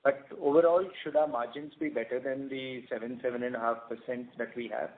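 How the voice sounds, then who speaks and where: A man answering questions formally as a company executive on an earnings call, speaking in a measured, hesitant way. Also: mid-range voice, steady tone. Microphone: telephone conference line. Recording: noisy narrowband conference phone line.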